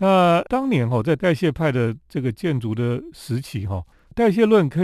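Against a quiet background, a man with a Taiwanese accent speaks at a fairly slow pace in a relaxed tone with very wide pitch swings. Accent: Taiwanese Mandarin. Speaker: architecture commentator, radio host. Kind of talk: solo radio talk. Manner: relaxed, many filler particles.

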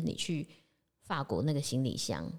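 Vocal fry runs through speech delivered at a moderate pace. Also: woman. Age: 50s. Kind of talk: interview.

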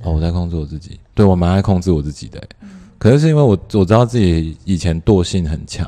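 At a very fast pace, a man with a Taichung accent and a very deep, low pitch uses lively intonation and big swings in loudness. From Taiwan, Taichung. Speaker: retail staff at a scooter company, writer. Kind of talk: casual chat. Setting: recording on location in a basement.

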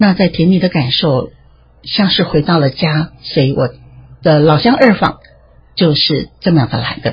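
Using a very deep, low, somewhat breathy voice, a woman speaks at a moderate pace with lively intonation and long, frequent pauses. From southern Taiwan (Pingtung, rural). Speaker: organic farmer and nature guide. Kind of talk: interview.

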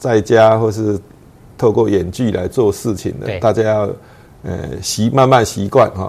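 With an unremarkable speaking voice, a man talks fairly slowly at a fairly low pitch, his pitch varying in an ordinary way. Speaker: former university president. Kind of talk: casual interview.

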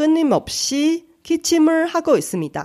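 A woman at a very slow pace, in a very clean recording with a silent background. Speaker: Chinese language teacher. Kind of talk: language lesson, tutorial. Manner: formal, teacherly.

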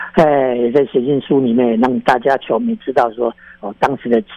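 Here a man with a plain, everyday voice speaks at a moderate pace and medium pitch, with ordinary pitch variation. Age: 50s. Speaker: baseball umpire. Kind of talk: interview.

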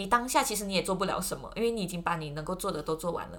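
A woman with a Malaysian accent at a very fast pace, medium pitch and ordinary pitch variation. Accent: Malaysian accent, noticeable. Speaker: former radio host, podcast guest. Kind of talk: casual chat.

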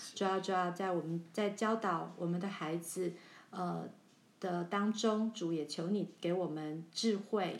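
Speaking at a fairly slow pace with a Taiwanese accent, a woman keeps her fairly low voice on a fairly even intonation. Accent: Taiwanese Mandarin. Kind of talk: casual chat; prayer.

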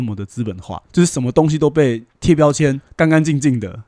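Recorded dry and close with no echo, a man with a fairly high pitch speaks very fast, his dark, mellow tone carrying lively intonation. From Pingtung, southern Taiwan. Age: 30s. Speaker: podcast co-host. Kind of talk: casual chat.

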